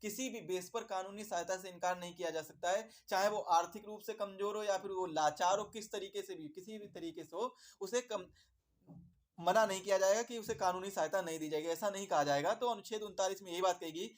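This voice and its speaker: A man with a high voice teaches an exam prep lesson at a fairly quick pace. He repeats his points, poses questions and answers them himself, and addresses viewers as "my dear brother."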